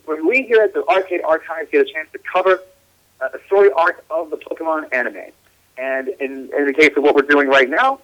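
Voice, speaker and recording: A man hosting a casual podcast in a hypey, loose way, often stumbling and restarting. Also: high voice. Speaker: podcast host. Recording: dull lo-fi sound.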